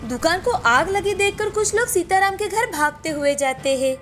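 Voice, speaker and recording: A woman narrating a scripted cartoon story in a steady, clear storytelling way. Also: very high-pitched, moderate pace, faint music behind.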